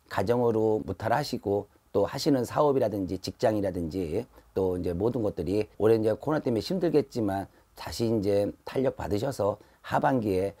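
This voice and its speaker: A middle-aged man, a shaman fortune teller, giving a steady advisory reading to camera in a shrine room, speaking into a lapel mic. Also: mid-range voice. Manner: steady advisory tone, frequent fillers. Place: shrine room with altar, indoors.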